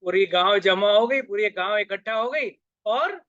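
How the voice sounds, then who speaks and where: A man giving a storytelling sermon, acting out the characters' lines with lively shifts in tone. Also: high-pitched, moderate pace, dry recording, muffled recording. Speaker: spiritual speaker.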